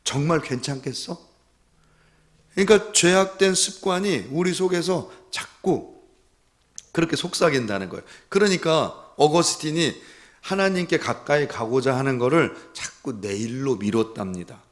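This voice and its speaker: Korean pastor preaching an earnest sermon. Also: male voice, a little high, expressive, moderate pace. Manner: swells from quiet storytelling to loud impassioned pleading; earnest, addresses the congregation directly.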